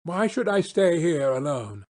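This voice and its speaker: Guy doing a touchy proud baronet in a storybook, formal, bit plaintive, husky voice. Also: fairly high pitch, sing-song, unhurried, a little mellow. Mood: hurt, reluctant. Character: proud, anxious gentleman baronet, easily hurt. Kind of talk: audiobook character acting.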